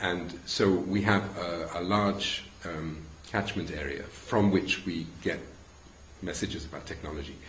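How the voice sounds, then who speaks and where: A man with a British accent speaks at a fairly slow pace in a very deep, low voice. His intonation stays fairly even, and the room echo is audible. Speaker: standards organization executive. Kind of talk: interview.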